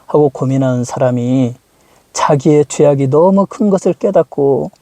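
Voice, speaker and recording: Mellow-voiced man preaching with fervor. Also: on the high side, moderate pace, no echo. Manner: impassioned preaching with rhetorical questions and acted-out prayers. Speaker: pastor. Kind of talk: sermon.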